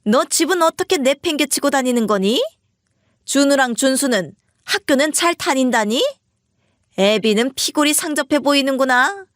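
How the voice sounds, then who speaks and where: A storybook mother-in-law, sharp-tongued and scolding, played by a woman. She fires off reproaches in a lifted, higher tone. The voice is close and dry. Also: no echo. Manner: scolding, rapid-fire reproaches.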